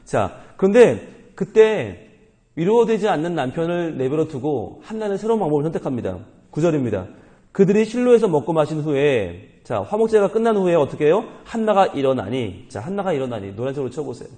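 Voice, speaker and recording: Lively, mellow-voiced male pastor preaching. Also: a little high, brisk. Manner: animated, humorous, engages congregation with questions. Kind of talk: sermon. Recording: reverberant hall.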